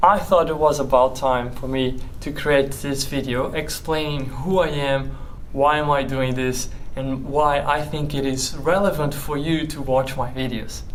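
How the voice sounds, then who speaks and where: A man with a Brazilian Portuguese accent speaks at a fairly slow pace and fairly high pitch, with audible room echo and noticeable background noise. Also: fairly even intonation. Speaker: law PhD student and educational youtuber. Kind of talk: channel introduction to camera.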